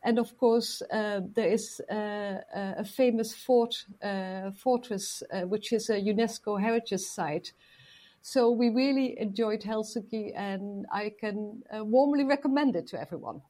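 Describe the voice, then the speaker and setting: A woman from the Netherlands speaking as an interview guest, polite and hesitant with many pauses. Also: medium pitch, dark tone. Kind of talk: interview answers.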